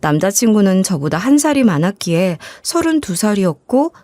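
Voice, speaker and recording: A woman narrating a scripted life story in a gentle, even storytelling manner. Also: medium pitch, moderate pace, no room sound.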